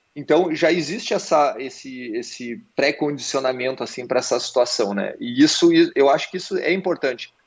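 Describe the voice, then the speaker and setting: A man speaks at a moderate pace with hardly any pauses. His pitch is fairly high, with ordinary pitch variation. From southern Brazil, Rio Grande do Sul (Caçapava do Sul, then Porto Alegre). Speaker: game studio CEO, former footballer. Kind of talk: interview conversation.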